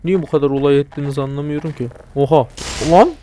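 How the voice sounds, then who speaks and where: A man's voice: a little high, level tone, very fast, mellow, slight background noise. A young man casually commenting on a video game, joking and talking back to the characters and the viewers. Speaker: let's play commentator.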